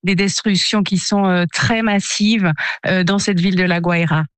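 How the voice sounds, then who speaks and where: A woman's voice: on the low side, steady tone, moderate pace. A woman from French-speaking Switzerland, a radio reporter, giving a spontaneous interview report. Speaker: radio foreign editor and reporter.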